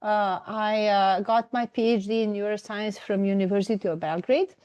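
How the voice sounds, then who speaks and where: A middle-aged Serbian-accented woman professor presents a webinar in a halting way, full of fillers and restarts. Her voice sits in the middle of the range and is recorded close and dry. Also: medium pitch, steady tone, darkish tone, clear, resonant tone, dry recording, dull audio.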